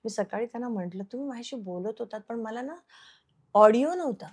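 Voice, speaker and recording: Her voice sits on the high side, brisk and lively, a little mellow and slightly rough. The television actress shares a personal story in an interview with earnest feeling, dropping in English phrases and acting out each line of dialogue she quotes.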